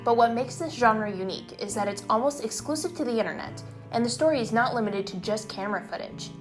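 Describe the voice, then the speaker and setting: A woman's voice: on the high side, expressive, fast talker. A woman hosting and narrating a scripted video essay in a conversational way, leaning into dramatic emphasis. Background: background music.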